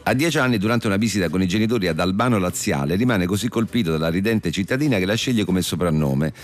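Fast-talking deadpan man on comedy radio. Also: low voice. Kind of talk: deadpan comic scripted reading.

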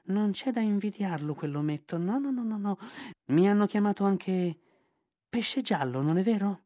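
Storybook python, male, vain, scornful, high outbursts, voiced by a man. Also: expressive, normal speed, mellow, no room sound, clean studio sound. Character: huge proud rock python, male, touchy.

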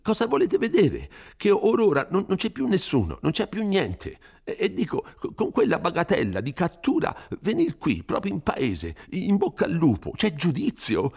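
A man voicing a frightened, fretful old village priest, stammering and pleading in a high, strained voice. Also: huge pitch swings, normal speed, creaky, hardly any pauses, darkish tone, slightly rough, full character voice. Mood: anxious pleading.

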